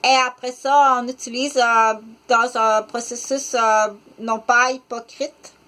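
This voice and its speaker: A woman in her fifties with a Québécois French accent, talking unscripted to the camera in a rambling, halting way, full of fillers and restarts. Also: a little high, steady tone, bright, forceful tone. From Quebec, Canada. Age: 50s. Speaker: vlogger.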